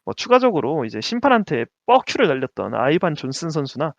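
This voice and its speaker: Casting: animated male co-host, higher voice, dull dry lo-fi sound. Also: fast, gravelly, no room sound. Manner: lively, laughs often, stumbles over names. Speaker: podcast co-host. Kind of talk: casual basketball chat.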